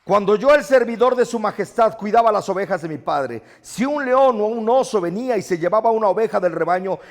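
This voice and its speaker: A man voicing a fearless young shepherd making a loud, proud declaration. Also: high voice, expressive, a little fast, voice pushed up. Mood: defiant. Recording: long reverb of a big hall.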